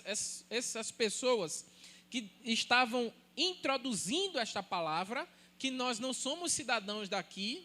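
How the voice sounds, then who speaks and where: A male pastor with a light, thin voice, preaching an animated sermon that asks and answers its own questions and jokes with the congregation. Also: extremely high pitch.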